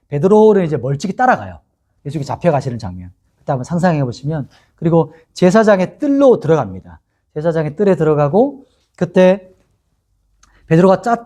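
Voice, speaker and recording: A middle-aged man from Korea's Gyeongsang region preaches a sermon and tells the story with lively swings of pitch. His voice is husky and mellow, and he acts out the lines of the people in the story. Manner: animated storytelling, acting out quoted lines. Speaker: pastor.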